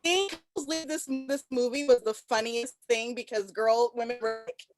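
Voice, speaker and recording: A woman's voice: a little high, normal speed, over music. A woman chatting casually in a group, emphatic and slangy.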